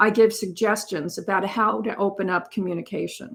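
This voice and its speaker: This woman's voice sits at medium pitch, its tone bright and sharp with vocal fry. She speaks at a moderate pace. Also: very clean recording, silent background. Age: 70s. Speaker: retired lawyer and nurse, author. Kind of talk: podcast interview. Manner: hesitant with many fillers.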